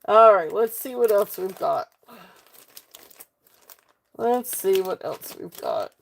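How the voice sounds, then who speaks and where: Slow-talking Southern woman selling jewelry. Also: medium pitch, expressive, creaky. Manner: chatty, folksy, with frequent ums and soft laughs. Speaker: live jewelry sale host. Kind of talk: casual live-stream selling.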